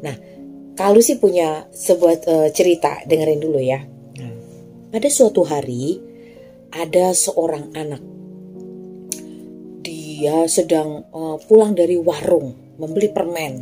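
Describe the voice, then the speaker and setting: A young woman teaching a Sunday school class, talking straight to the children in a lively, storytelling way. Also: deep voice, unhurried, long pauses, soft background music. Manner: lively, addressing children directly.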